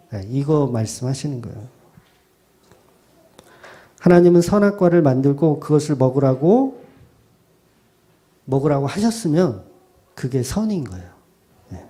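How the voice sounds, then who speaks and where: A man's voice: fairly high pitch, moderate pace, pauses often. A male pastor giving an expository sermon, asking the congregation questions and acting out imagined voices. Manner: animated preaching, quoting imagined voices with sudden drops to soft asides.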